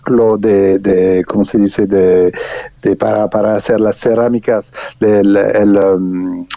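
A man answers in halting, speech, pausing often and restarting his words. The recording is dry and dull, with little room and a lo-fi tone. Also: lowish voice, little pitch movement, warm tone, dry recording. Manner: hesitant, many restarts and fillers. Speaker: guest researcher. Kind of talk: unscripted interview answers.

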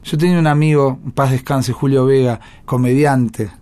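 A man's voice: medium pitch, fairly even intonation, moderate pace, warm tone, clear, resonant tone. A man with an Argentine accent, a musician guest telling stories in a chatty, reflective way. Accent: Argentine Spanish. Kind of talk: casual interview talk.

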